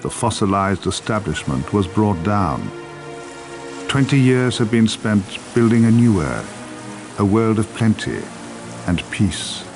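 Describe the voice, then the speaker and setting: A grave game narrator with a low-pitched voice. He speaks in a measured, portentous way, as if setting out a dark future war. Music plays clearly behind him. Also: big pitch swings, exaggerated voice. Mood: grave, ominous. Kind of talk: scripted dramatic game intro narration.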